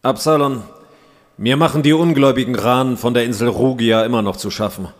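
A man's voice: medium pitch, a little fast, lightly acted. An actor playing a grave, indignant medieval king in an audio drama, speaking in a solemn, declamatory way.

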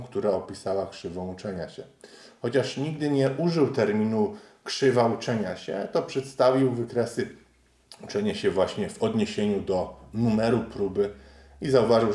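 Guy reading out a lesson, kinda low and warm, roomy echo on it. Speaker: educational narrator. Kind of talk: scripted explanatory narration.

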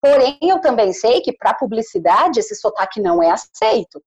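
Female, caipira country accent of northern Paraná, conversational and emphatic, slightly husky, higher-pitched. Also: big pitch swings, normal speed, darkish tone. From Paraná, Brazil. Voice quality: good clear diction. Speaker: commercial voice-over artist. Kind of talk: casual conversational interview.

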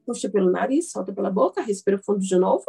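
A woman's voice: mid-range voice, expressive, fast, vocal fry, mellow, husky. A Brazilian woman hosting a motivational self-help radio program, instructing listeners directly with emphatic repetition and guided declarations, with music behind her.

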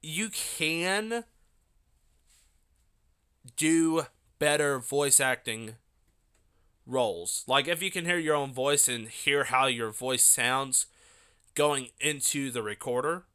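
Bright, clear-voiced young man rambling casually. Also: mid-range voice, slow, pauses often. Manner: rambling, loose with many fillers and asides. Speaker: podcast host. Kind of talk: casual solo podcast talk.

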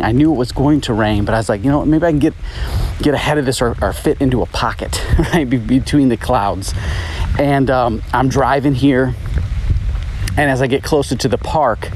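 A man's voice: mid-range voice, a little mellow, slight background noise, poor audio. Man talking into a phone, outdoors. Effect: recorded on a phone. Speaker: podcast host. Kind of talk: motivational talk. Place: outdoors at a park.

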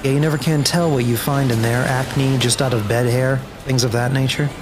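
A man's voice: mid-range voice, fairly even intonation, a little fast, natural voice. Man acting a sardonic wasteland survivor over music. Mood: dry, sardonic. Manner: dry, wry, guarded. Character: sardonic, grudge-bearing male post-apocalyptic wasteland survivor. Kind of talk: dark humor audio drama acting. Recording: music under the voice.

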